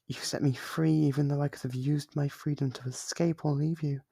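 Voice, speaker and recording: A man playing a lonely, devoted and obsessive demon in an intimate ASMR roleplay, coaxing and tender with hesitant pauses. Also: on the high side, little pitch movement, gravelly, mellow, slightly rough, no echo.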